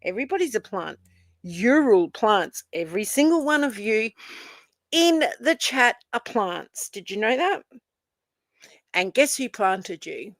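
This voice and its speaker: Woman on a live stream, sarcastic and mocking, slow drawn-out talk, slightly high, dry close sound. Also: dry recording. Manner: sarcastic, mocking, theatrical gasps. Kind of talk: casual live stream chat.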